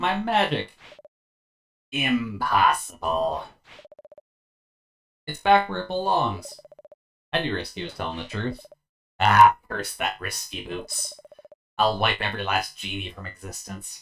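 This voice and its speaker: Using a raspy, put-on character voice, a man speaks at a fairly slow pace with long, frequent pauses. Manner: angry, dramatic.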